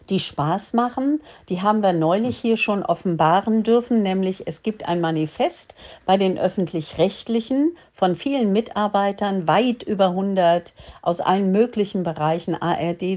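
A woman's voice: on the low side, dark tone. Sarcastic woman hosting a talk show. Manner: sarcastic, mocking. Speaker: host. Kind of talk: political talk show commentary.

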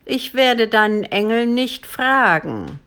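A woman voicing a big, menacing male dragon with a lowered, growling voice in a storybook reading. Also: lively intonation, takes it slowly, fairly bright tone, full character voice.

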